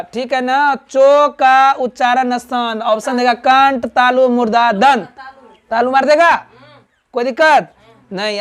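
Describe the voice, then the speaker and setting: His voice is extremely high, smooth and fairly bright: a man with a Bihari Hindi accent teaches grammar to a class. He quizzes students through call-and-response, fires questions at them, and checks in constantly by asking "right?"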